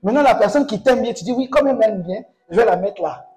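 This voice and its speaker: This man, a pastor, exhorts the congregation in call-and-response fashion, with sudden loud outbursts. He speaks quickly and expressively in a high-sitting voice.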